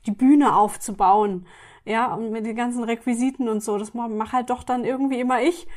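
A woman's voice: fairly high pitch, fairly even intonation, a little fast, a little mellow. A woman hosting a podcast, interviewing in a casual, chatty and informal way. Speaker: podcast host.

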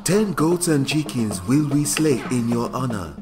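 A man's voice: mid-range voice, animated, a little slow, a little mellow, soft background music, lightly acted. A man playing a reverent tribal worshipper in an audio drama, addressing a deity with fervent, formal devotion. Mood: pleading.

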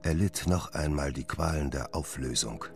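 Very deep, gravelly, sinister doctor. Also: male voice, moderate pace, a little mellow, faint music behind. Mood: brooding, confessional. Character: brooding Victorian doctor with a sinister second self. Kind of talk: German radio play acting and narration.

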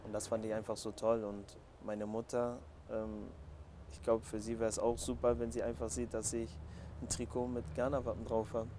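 This twenty-something footballer from Hamburg, Germany, talks casually through an interview at an open-air terrace by the training pitch. His voice sits lowish with little pitch movement, mellow and moderately paced. Picked up by a lapel mic outside, the audio carries clear background noise.

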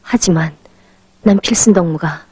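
A woman's voice: on the low side, moderate pace, warm tone, breathy edge, no echo. A woman playing an earnest middle-aged North Korean laboratory chief, speaking formally and measuredly. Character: earnest female laboratory chief defending a colleague. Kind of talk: film drama acting.

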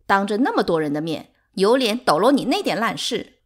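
A woman voicing a spiteful, domineering concubine in an audiobook, scornful and forceful in her delivery. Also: mid-range voice, big pitch swings, a little fast. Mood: furious. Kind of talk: dramatic audiobook character acting.

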